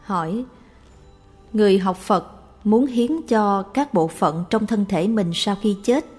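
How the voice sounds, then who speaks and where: A woman reading the questions aloud in a plain, even tone for a Buddhist question-and-answer recording. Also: mid-range voice, takes it slowly, husky. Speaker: reader of the questions. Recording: long reverb with faint background music.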